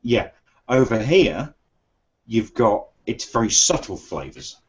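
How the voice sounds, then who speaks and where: A man hosting a casual chat, relaxed and matter-of-fact. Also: fairly low pitch, slow pace. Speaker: host. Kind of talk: casual chat reviewing vape juice. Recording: muffled lo-fi recording.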